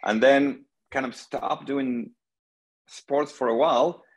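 A middle-aged man from Argentina, a guest player chatting relaxed on a video call from home, with many pauses. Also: medium pitch, poor audio. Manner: relaxed storytelling, many pauses and "um", gestures with hands. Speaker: guest, senior pro pickleball player. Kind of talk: casual video call interview. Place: small room indoors at home. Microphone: laptop webcam on video call.

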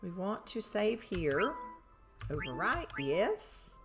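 An older woman talking through her game at an unhurried pace, her voice leaping up and down as she muses and cheers. Faint game music plays behind her. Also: mid-range voice. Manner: thinks aloud, bursts into excited squeals. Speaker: game streamer. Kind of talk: live gameplay commentary.

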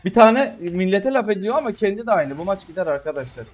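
A man narrates his mobile game match in a slightly high voice. He complains at his teammates in an exasperated way and breaks into excited shouts. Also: fast, soft background music. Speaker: gamer streamer. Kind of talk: live gameplay commentary.

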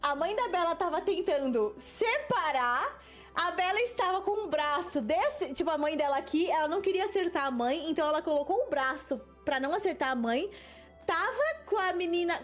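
A young woman with a Brazilian Portuguese accent, telling a story in casual chat as a gaming video host, animated and quick to act out what people said. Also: high voice. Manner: animated, laughing storyteller who acts out quotes. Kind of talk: casual storytelling while playing a game.

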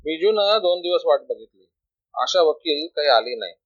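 A man's voice: fairly high pitch, moderate pace, no echo. Man narrating a story, dull lo-fi sound. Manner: plain, steady narration. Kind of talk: storybook reading. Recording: dull lo-fi recording.

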